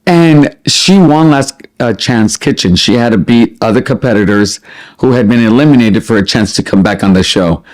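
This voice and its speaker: A middle-aged man chatting casually as a vlogger, expressive and prone to wandering off on tangents as he answers questions. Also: mid-range voice, normal speed. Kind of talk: casual chat to camera, answering listed questions.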